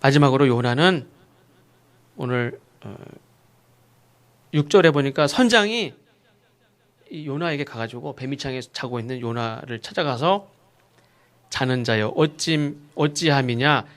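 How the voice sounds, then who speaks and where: A male pastor preaching a sermon, asking rhetorical questions and acting out sharp rebukes. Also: medium pitch, expressive, a little slow, pauses often. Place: church sanctuary.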